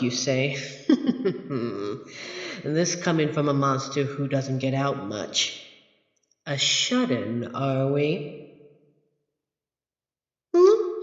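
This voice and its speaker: Woman doing a smug taunting monster under the bed, slow n theatrical, super echoey like a big hall, audio roleplay. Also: low voice. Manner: taunting, haughty, drawn-out theatrical delivery. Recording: echoey reverberant hall, slightly dull.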